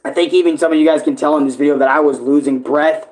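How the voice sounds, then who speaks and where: A young man chatting casually on a livestream, rambling and swearing with enthusiasm, his voice hoarse and worn. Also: fairly high pitch, fairly even intonation, fast, a little mellow, rough recording. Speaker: streamer ranking games. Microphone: tablet camera.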